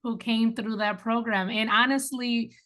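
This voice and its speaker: A woman's voice: on the high side, fairly even intonation, unhurried, fairly bright tone, no room sound, studio quality. A woman hosting an interview podcast, addressing listeners and guests.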